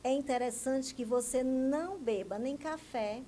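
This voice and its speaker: A Brazilian speech therapist explains voice health in a TV news studio interview, frequently posing questions and answering them herself. Her voice is high-pitched, a little slow and mellow, with a Brazilian Portuguese accent. Slight background noise is present.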